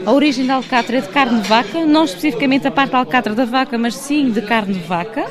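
A woman's voice: high voice, fast talker, music in the background. A woman from the Azores, a local cook chattily explaining a traditional dish and its history. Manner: explanatory, chatty, laughs while telling. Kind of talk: casual explanation.

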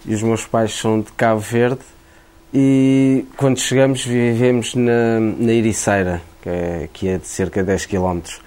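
Low, mellow man, halting speech. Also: steady tone. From Angola. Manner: halting, repeats words while thinking. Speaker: interviewee, painter. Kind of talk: casual interview.

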